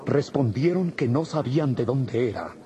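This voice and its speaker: A man narrating a dramatized audio Bible from a script in a husky, mellow voice. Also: medium pitch, animated, moderate pace. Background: music.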